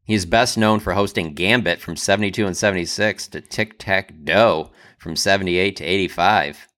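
A man's voice: low voice, a bit bright. A man cohosting a sports podcast, rambling through stories with fillers and easy laughs. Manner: rambling, laughs easily, bursts of quick talk. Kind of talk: casual sports chat.

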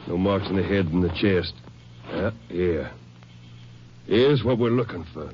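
Plain, practical doctor examiner, deep register, noisy 1950s radio drama recording. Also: male voice, expressive, a little slow, lo-fi sound. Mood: businesslike. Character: matter-of-fact male medical examiner.

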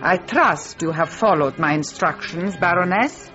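A woman's voice: lowish voice, measured pace, bright, forceful tone. An actress playing a strict, controlling aristocratic mother, giving stern clipped commands. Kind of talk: period drama acting. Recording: dull lo-fi with music behind.

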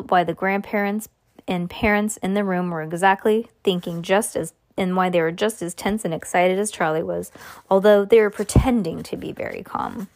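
A woman hosting a podcast, reading a children's book aloud in a relaxed way with small slips. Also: lowish voice.

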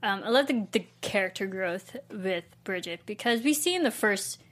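Woman, casual film-chat co-host, mid-pitched, chatty, restarts sentences, laughs easily. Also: expressive, normal speed, a bit bright. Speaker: podcast co-host.

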